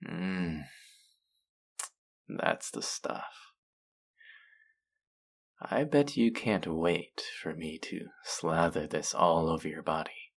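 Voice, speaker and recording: A man playing a smug, dominant faerie trickster in an intimate roleplay audio drama, teasing and mock-scolding in a sultry, drawn-out way. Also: sits low, vocal fry, heavily acted.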